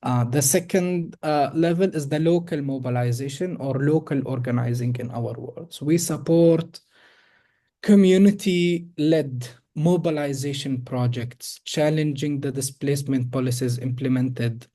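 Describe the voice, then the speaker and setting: A young man from Jerusalem speaks as a podcast guest over a video call, with a mellow, warm voice. He explains things in a measured way, stopping often on "uh" and "um". His delivery is steady and unhurried. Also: medium pitch. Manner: hesitant, many fillers, measured explanation. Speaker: guest, executive director of an organization. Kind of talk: podcast interview.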